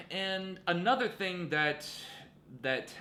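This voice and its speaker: A man speaks in a bright, sharp tone. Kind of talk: unscripted opinion talk to camera. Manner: stuttering, hesitant.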